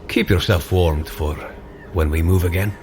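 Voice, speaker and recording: A man's voice: low-pitched, normal speed, darkish tone, slight background noise. A man playing a commanding yet friendly thunder god in an audio drama, with formal, old-fashioned, encouraging speech. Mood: friendly, instructing. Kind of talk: scripted audio drama acting. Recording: music clearly behind the voice.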